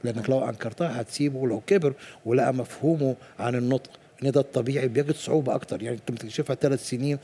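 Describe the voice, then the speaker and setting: A man's voice: mid-range voice, rapid-fire, dark tone, slightly rough. A middle-aged man with an Egyptian Arabic accent, a pediatrician explaining things at length in a TV interview, often repeating words as he restarts. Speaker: pediatrician guest.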